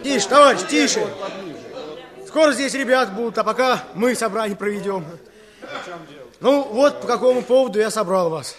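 A man's voice: high voice, moderate pace, pauses often, fairly bright tone. An actor playing an earnest village chairman who firmly coaxes and persuades peasants at a meeting in a radio play. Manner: persuasive, coaxing, firm. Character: earnest village chairman Kuzma, rural Soviet leader.

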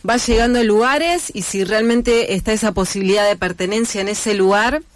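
A woman's voice: medium pitch, normal speed, no echo. Earnest Rioplatense woman, dry close sound. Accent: Rioplatense Spanish. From Argentina. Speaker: radio show guest. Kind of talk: casual radio conversation. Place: radio studio.

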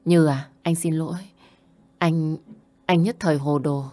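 A guilty young fiancé who pleads and apologizes, begging to be forgiven, read by a woman in her own low voice. This is a storybook reading with little change from the narration. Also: steady tone, a little slow, mellow. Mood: pleading.

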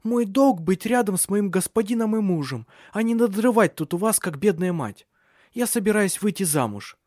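A man's voice: sits high, very animated, moderate pace, darkish tone, dry recording, studio quality, pitched above the performer's own voice. A man reading a story aloud, voicing a defiant young servant woman in a raised voice.

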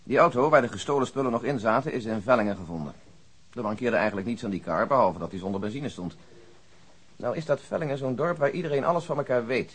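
A man's voice: mid-range voice, fast talker, slightly rough, close to an everyday voice. A man playing a businesslike police detective in a radio play, briefing in an orderly, factual way and keeping to the point. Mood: matter-of-fact. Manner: matter-of-fact, orderly briefing.

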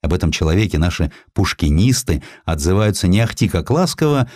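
A man reading a historical literary sketch in an expressive storytelling manner. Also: deep voice, a little fast, dry recording, studio quality. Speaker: audiobook narrator.

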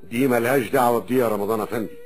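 A man's voice: medium pitch, racing, natural voice. A man with an Egyptian accent playing a proud, brusque military officer in a radio drama. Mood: indignant, proud.

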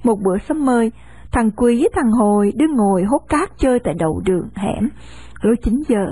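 A woman reading a novel aloud in a steady storytelling manner. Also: a little high, a little fast, breathy edge. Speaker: narrator.

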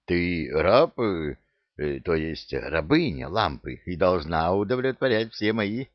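A man's voice: low voice, big pitch swings, takes it slowly, dry recording, muffled recording, exaggerated voice. A man voicing a crafty saint who is also a thief, wheezing and indignant in a storybook reading.

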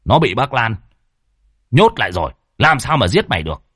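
A man voicing an angry, grieving middle-aged man in a horror story, blunt and gruff in his threats. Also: medium pitch, big pitch swings, a little fast, sharp tone, no room sound, clean studio sound, full character voice.

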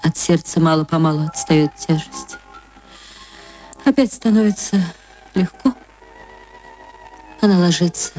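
For an archive radio reading, a woman with a low, mellow voice narrates a classic short story tenderly and without hurry. She slows down at the reflective passages, and the recording is rough.

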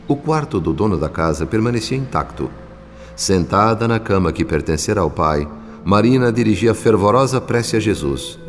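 A man's voice: fairly low pitch, lively intonation, normal speed, close to an everyday voice. A man playing a solemn spirit narrator, reading formal scripted radio drama narration. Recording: long reverb, music underneath. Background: music.

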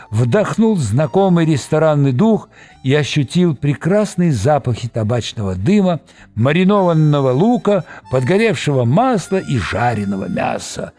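A man reading a novel aloud as scripted narration, expressive and voicing every character himself. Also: fairly high pitch. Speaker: audiobook reader.

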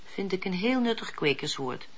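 An actress playing a brisk, opinionated woman in a Dutch radio drama. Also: lowish voice, lively intonation, breathy edge. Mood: brisk, assured. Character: brisk, opinionated woman helper, pious letter-answerer. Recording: dull lo-fi radio play recording.

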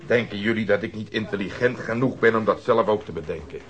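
An actor playing an irascible, overworked police detective in a radio crime drama, gruff, sarcastic and quick to swear. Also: male voice, fairly low pitch, close to an everyday voice. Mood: defensive, sarcastic. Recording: dull lo-fi radio drama recording.

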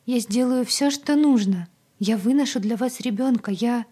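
A woman's voice: a little high, lively intonation, measured pace, dark tone, husky, pitched above the performer's own voice. A woman voicing a nervous, tearful young pregnant woman who begs and pleads in a raised, shaky voice. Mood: desperate.

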